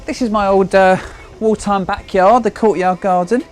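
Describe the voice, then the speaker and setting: British man in his thirties, higher-pitched voice. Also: fairly even intonation, normal speed, soft background music. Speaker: interviewee, history enthusiast. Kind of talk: informal interview while showing his home.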